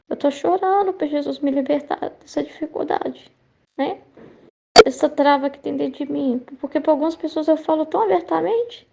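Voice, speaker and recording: High, gravelly woman giving a hesitant testimony. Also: a little mellow, lo-fi sound. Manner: hesitant, searching for words, frequent tag questions. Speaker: member sharing a faith testimony. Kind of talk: casual spoken testimony.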